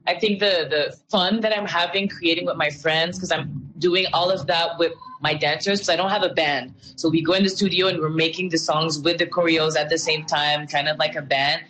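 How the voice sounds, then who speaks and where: A woman's voice: deep voice, fairly even intonation, moderate pace, fairly bright tone, rough recording. Enthusiastic woman musician, rambling. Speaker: musician guest. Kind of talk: casual interview. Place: outdoor festival, in a small shelter.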